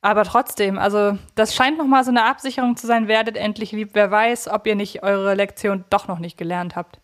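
A woman's voice: medium pitch, fairly even intonation, fairly quick. A woman co-hosting a casual podcast, thinking aloud in a reflective way. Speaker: podcast co-host. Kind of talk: casual conversational podcast discussion.

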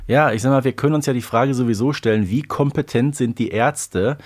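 A man hosting a podcast in casual chat, pausing often with filler sounds. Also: medium pitch. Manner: hesitant, many filler sounds. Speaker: podcast host. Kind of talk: casual podcast chat about a radio play.

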